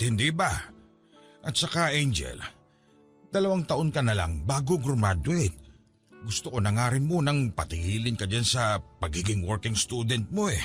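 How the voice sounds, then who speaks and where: Stubborn Filipino father, swooping pitch. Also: fairly bright tone. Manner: insistent, protesting. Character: stubborn, hardworking ailing father of a student daughter. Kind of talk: radio drama acting.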